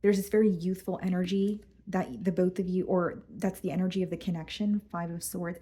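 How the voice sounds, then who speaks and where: Woman, tarot reader, hoarse voice, lowish pitch, dark mellow tone, hesitant repeats. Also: fairly even intonation, fairly quick. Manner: careful, hesitant, repeats words. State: losing her voice, clearing throat. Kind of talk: tarot reading.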